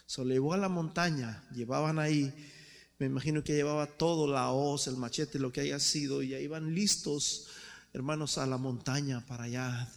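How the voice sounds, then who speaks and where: Impassioned preacher in an echoing church. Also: male voice, medium pitch, steady tone, normal speed. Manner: impassioned storytelling, addresses the congregation directly. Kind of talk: sermon. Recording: echoey church hall.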